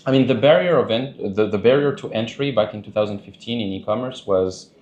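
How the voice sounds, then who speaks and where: A man talking casually as a podcast guest, loose and chatty, laughing often and filling pauses with "like" and "you know". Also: fairly low pitch, darkish tone, reverberant, dull audio. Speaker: podcast guest, dating coach. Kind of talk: casual interview talk.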